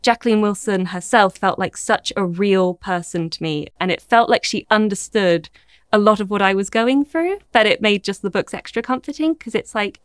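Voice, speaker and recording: A woman in her twenties telling stories excitably as an interviewee. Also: mid-range voice, normal speed, clear, resonant tone, dry recording, clean studio sound. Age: 20s. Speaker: interviewee, longtime reader.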